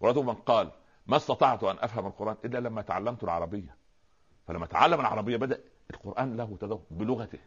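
A man with an Egyptian Arabic accent, a preacher explaining religious words in a lively talk-show conversation, often asking rhetorical questions. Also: on the low side, very fast, slightly rough, muffled recording. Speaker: Islamic preacher, guest scholar.

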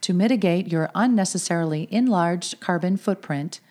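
A woman voicing a calm, overly smooth, bossy car AI that speaks in an even, polite, machine-like way in a comedy sketch. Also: fairly low pitch, normal speed, natural voice. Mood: smooth, robotic. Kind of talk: comedy radio sketch acting.

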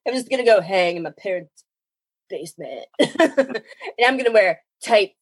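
A woman co-hosting a podcast in casual chat, animated and quick to laugh. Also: medium pitch, husky, no room sound. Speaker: podcast co-host.

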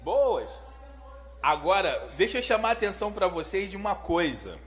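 A man preaching a sermon, animated and conversational, often putting questions to his listeners. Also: sits high, moderate pace.

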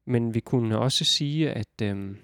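A man's voice: mid-range voice, fairly bright tone, dry recording, studio quality. A man hosting a casual radio interview, rambling with many fillers. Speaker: radio host.

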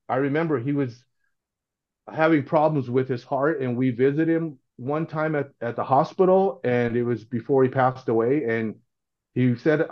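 Earnest, rambling middle-aged man. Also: mid-range voice. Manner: earnest, rambling, with frequent restarts. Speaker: podcast guest. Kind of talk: casual podcast conversation. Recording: dull, lo-fi sound.

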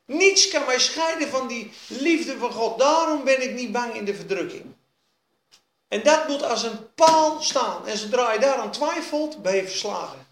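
Guy preaching a sermon, high voice, punchy and repetitive, echoey hall with faint noise. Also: animated, measured pace. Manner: emphatic, repeats key phrases, drops to quiet asides. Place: evening church meeting.

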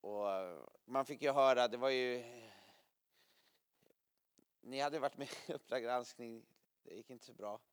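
A man's voice: mid-range voice, long pauses, smooth. A man preaching a sermon to a gathering, telling vivid stories with sound effects and frequent laughter. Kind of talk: sermon with lively storytelling.

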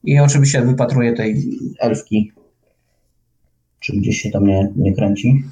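Low, mellow male tabletop player. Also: unhurried, muffled recording, a little hiss or hum. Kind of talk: casual tabletop role-play.

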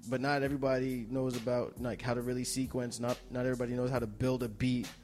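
A man's voice: mid-range voice, little pitch movement, quick pace, a little mellow, slight background noise. A man speaking as a producer on a panel, casual, slangy and conversational. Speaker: music producer, panel guest. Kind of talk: casual chat.

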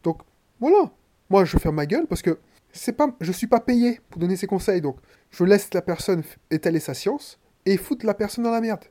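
A man's voice: high-pitched, lively intonation, normal speed, mellow. A man from Martinique with a head cold, a podcaster and coach talking bluntly and slangily straight to the listener in a casual monologue.

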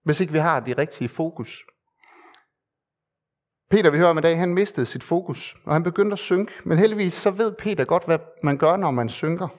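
Earnest Danish-speaking preacher, fairly high voice. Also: male voice. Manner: earnest, conversational with fillers and repeated emphasis. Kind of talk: sermon.

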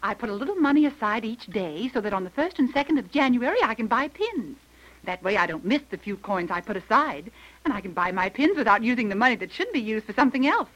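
A woman's voice: fairly high pitch, big pitch swings, fast, a bit bright, lo-fi sound. An actress playing a clever medieval housewife pleading with her husband in 1930s radio acting style. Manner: pleading, coaxing.

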